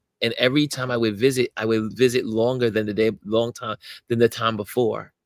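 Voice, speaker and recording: A man's plain, everyday voice at medium pitch, with an American accent, a fairly quick pace and fairly even intonation, in a dry, close sound with no echo. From USA. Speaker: talk show co-host. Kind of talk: casual chat. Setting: live stream.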